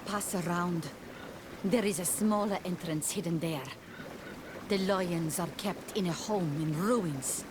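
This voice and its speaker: A woman's voice: on the low side, takes it slowly. A woman playing a wary native tribal fighter in a video game, terse and solemn. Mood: guarded. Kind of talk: video game cutscene acting. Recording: clear ambient noise behind.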